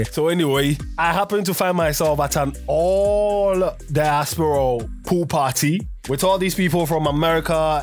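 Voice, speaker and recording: Upbeat Ghanaian man hosting a show. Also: fairly high pitch. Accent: Ghanaian English. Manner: chatty, upbeat, addresses listeners directly. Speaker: podcast host. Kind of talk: casual hosted talk to listeners.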